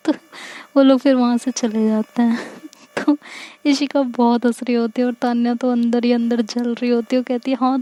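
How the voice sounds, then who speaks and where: Here a high-pitched woman with an Indian accent chats her way through a romance tale, playing every character's quoted lines with lively energy. The retelling is colloquial and informal, captured in a dry recording.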